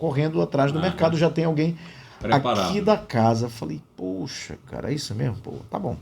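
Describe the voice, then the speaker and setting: This man has a fairly high voice with vocal fry. His intonation is lively and his pace moderate. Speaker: radio announcer. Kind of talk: interview answer, telling a personal story.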